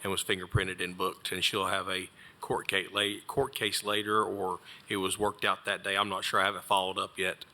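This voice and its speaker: A man, a sheriff's officer, giving a plain, halting account at a public hearing. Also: deep voice, level tone, sharp tone. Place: county board meeting room.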